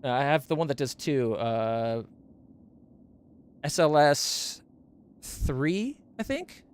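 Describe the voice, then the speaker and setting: Chatty man with a higher voice. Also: sing-song, takes it slowly, smooth. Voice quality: not very deep voice. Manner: rambling, self-correcting, stumbles over names. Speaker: streamer. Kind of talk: casual chat about gear on a game stream. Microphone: studio condenser mic up close.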